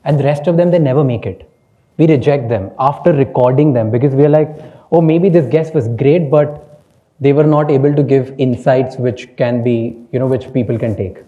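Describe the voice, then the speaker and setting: A man's voice: medium pitch, moderate pace, phone-quality sound. A man with an Indian accent whose first language is Hindi, a podcast host speaking candidly on a panel, slipping between English and Hindi and laughing often. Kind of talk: panel talk.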